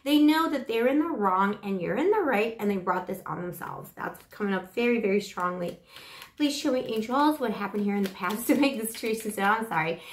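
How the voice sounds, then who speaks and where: A woman with a flu-hoarse voice giving a playful, rambling tarot reading to camera on a lapel mic. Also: mid-range voice, animated, brisk, roomy sound. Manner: gushing, playful, rambling with fillers. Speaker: tarot reader. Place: small bedroom with kitchenette. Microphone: clip-on lapel mic.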